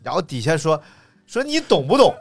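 Animated man telling stories, laughing. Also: a little high, a little fast. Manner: animated storytelling, laughing often. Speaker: podcast co-host. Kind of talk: casual chat. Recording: faint background music.

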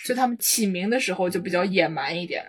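A woman's voice: on the low side, expressive, quick pace, husky. A woman co-hosting a casual podcast chat, explaining playfully with jokes and wordplay, a language teacher. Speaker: podcast co-host.

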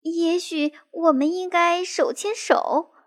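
A woman voicing a timid little boy mouse who trembles with fear, stammers and sometimes shouts, in a children's storybook. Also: very high voice, steady tone, slow. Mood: scared. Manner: fearful, trembling, breaks into shouts.

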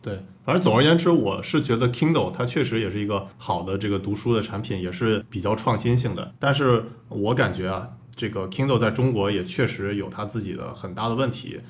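A lower-pitched man hosts a tech podcast and talks at a brisk clip. He works through his view one numbered point at a time, in a relaxed, chatty way. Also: slight background noise. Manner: lays out arguments point by point. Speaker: podcast host. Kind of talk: casual chat.

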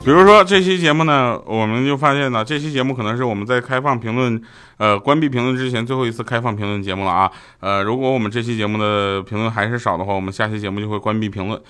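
A man's voice: mid-range voice, quick pace, smooth, faint music behind. A man from China, hosting a comedy show in a joking monologue and acting out the quoted lines. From Heilongjiang, China. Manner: lively storytelling, acts out quoted lines.

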